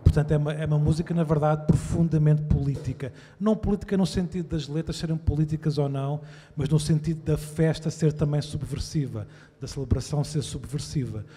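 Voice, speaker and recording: Dark-voiced man on an echoey panel. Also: fairly high pitch, steady tone, brisk. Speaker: debate panelist. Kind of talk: reflective panel talk.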